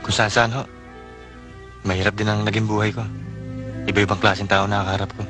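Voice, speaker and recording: A man's voice: on the low side, little pitch movement, a little fast, lightly acted. An actor playing a tough, world-weary younger man in a 1980s Filipino action film, with a Filipino accent. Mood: respectful. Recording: old film soundtrack with loud music.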